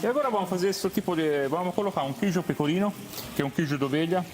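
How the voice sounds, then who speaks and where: A man from Tuscany with an Italian accent, whose first language is Italian, explaining a recipe calmly as a guest chef in halting Portuguese. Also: high voice. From Tuscany, Italy. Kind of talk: cooking demonstration on TV. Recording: TV studio with background music.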